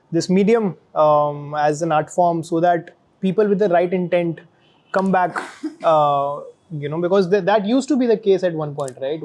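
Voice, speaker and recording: A roundtable moderator speaks in a halting way, with frequent "uh" and "you know" fillers. The pitch sits in a middle range. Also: darkish tone. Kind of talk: casual roundtable discussion.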